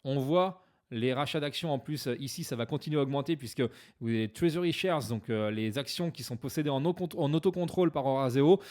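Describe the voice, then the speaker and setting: A French-speaking finance YouTuber explains stock investments to his viewers in a chatty way, hesitating often and filling gaps with "euh." His voice is medium-pitched, a little mellow, and fairly quick, and he jokes about his own English accent.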